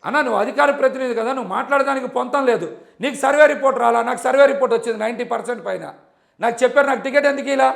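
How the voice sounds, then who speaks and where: A man's voice: very high voice, very fast, creaky. A man in a heated political debate, combative and insistent, repeating his challenges over and over. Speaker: political party leader as debate guest.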